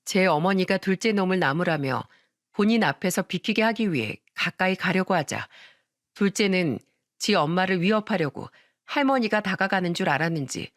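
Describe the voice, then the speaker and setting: A narrator telling a radio story in a calm, confessional storytelling manner. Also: mid-range voice, no echo, clean studio sound.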